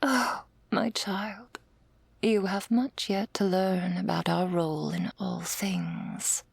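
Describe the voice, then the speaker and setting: Actress as patronising female elder angel for ASMR role-play audio drama; stern, measured, breathy with gravelly fry, dry close sound. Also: mid-range voice, fairly even intonation, no room sound, full character voice. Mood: patient, lecturing. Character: stern, condescending female elder angel, commanding mother superior.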